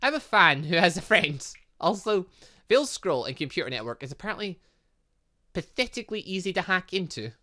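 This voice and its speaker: A man reading a playful, scheming middle-aged mother from a game, in a slightly lower, smooth tone. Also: sing-song, brisk, pushed and bright, heavily acted. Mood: coy scheming.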